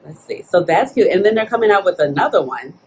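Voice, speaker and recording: A woman chatting casually about makeup and fragrance, playful and quick to laugh. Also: on the low side, lively intonation, darkish tone, slight background noise. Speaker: beauty channel host.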